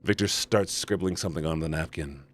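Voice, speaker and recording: On his live stream, a man with a very deep, slightly bright voice reads through a visual novel at a brisk clip, switching between narration and chatty reactions directed at his chat.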